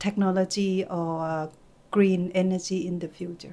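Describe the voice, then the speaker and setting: A woman with a Thai accent speaks at a fairly slow pace in a medium pitch, her tone dark and mellow and her intonation monotone and flat, on a very clean recording with a silent background. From Thailand. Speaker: site visitor. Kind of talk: interview.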